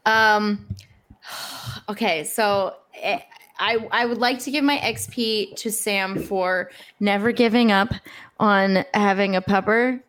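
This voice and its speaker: A woman's voice: medium pitch, fairly even intonation, slow, fairly bright tone. A woman playing in a tabletop game, chatting casually in a gushing, enthusiastic way. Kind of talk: casual chat.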